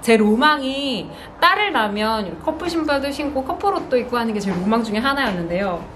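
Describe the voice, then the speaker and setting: A woman's voice: a little high, lively intonation, fast talker, noisy background. A woman in her thirties chatting casually and expressively to camera as a vlogger, showing off personal items with cute exclamations. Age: 30s. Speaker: vlogger, host. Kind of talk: casual product show-and-tell to camera. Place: bright small indoor room with sofa.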